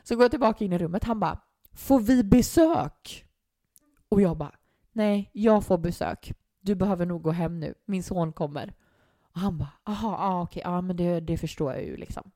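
A young woman tells a story in relaxed podcast chat. She acts out the quoted voices as she goes. The recording is dry and close, with no room sound. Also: fairly low pitch, no room sound. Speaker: guest. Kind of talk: casual storytelling.

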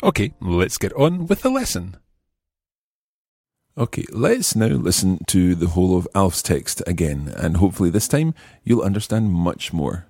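A man hosting a language lesson podcast, presenting from a script in an explanatory, clearly phrased way. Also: low-pitched, very animated, measured pace, a little mellow, dry recording, clean studio sound, faint music behind.

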